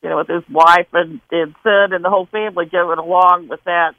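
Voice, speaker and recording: A woman's voice: lowish voice, fairly even intonation, fairly quick, no room sound. A woman calling in to a radio show, with a Wisconsin accent mixed with Southern, hesitant and sarcastic. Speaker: caller. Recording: tinny phone line.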